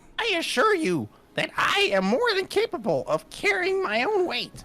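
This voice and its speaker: Over faint background music, a put-on character voice at an extremely high pitch speaks at a moderate pace. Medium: actual play. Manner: formal, prim.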